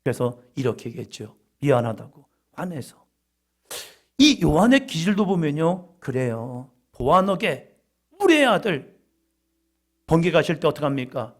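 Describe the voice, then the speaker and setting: A middle-aged man preaching a sermon, telling stories with humorous asides and breaking into loud emphasis on key words. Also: fairly high pitch, sing-song, measured pace. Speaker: pastor.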